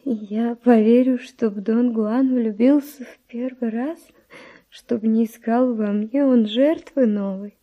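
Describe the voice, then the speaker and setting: An actress playing an anguished, wavering, tender woman in a radio verse drama, breathy and often dropping to a whisper. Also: fairly high pitch, fairly even intonation, takes it slowly, muffled recording. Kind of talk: classic Russian radio drama acting of verse.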